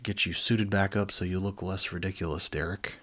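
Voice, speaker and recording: A man in his forties hosting a children's book reading, mixing expressive narration with casual, enthusiastic asides. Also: sits low, fairly quick. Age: 40s.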